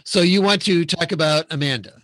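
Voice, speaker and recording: A man with a fairly high, bright, forceful voice leads a relaxed film discussion. He steers between topics and thinks out loud, often restarting his sentences. The recording is dry and close. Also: a little fast, no room sound, rough recording.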